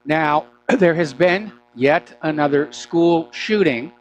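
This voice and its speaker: A man who sounds a little sick, hosting a live call-in radio news show with opinionated, halting, conversational commentary. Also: fairly high pitch, a little hiss or hum, poor audio. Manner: feeling sick, under the weather, clearing throat. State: mildly unwell, not sounding normal self. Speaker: radio talk show host.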